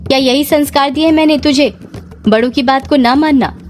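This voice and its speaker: A pushy, sharp-tongued mother in a storybook horror tale, put on by a female narrator. She leans on people and scolds her daughter, in a somewhat high voice with soft music underneath. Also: very animated, moderate pace. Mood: scolding. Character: stern scheming middle-aged mother.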